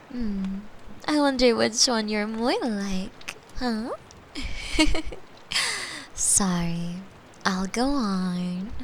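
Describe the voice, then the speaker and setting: A caring young girlfriend, acted by a woman, murmurs close to the mic in an ASMR bedtime roleplay. Her voice sits a little high and moves at a very slow, soothing pace, playful and tender, dipping into whispers. There is audible noise behind her. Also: heavily acted, poor audio. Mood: teasing. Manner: gentle, soothing, teasing, unhurried, slipping into whispers. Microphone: close microphone, made for headphones.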